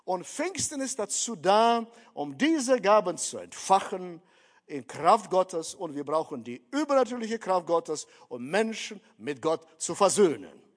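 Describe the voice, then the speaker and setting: A man's voice: sits high, big pitch swings, measured pace. A man preaching a sermon, emphatic, repeatedly calling his listeners dear friends. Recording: long hall reverb.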